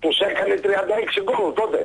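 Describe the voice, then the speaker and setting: A man's voice: sits high, fairly even intonation, gravelly, a crowd in the background. A man calling in to a radio sports show on the phone, chatty and telling stories with relish. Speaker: caller. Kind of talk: casual chat.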